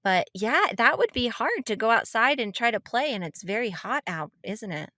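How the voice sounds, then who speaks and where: A young adult woman hosting a children's show, gently interviewing a child and repeating answers back encouragingly. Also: a little high, very animated, normal speed, dry recording, clean studio sound. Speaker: children's program host and interviewer.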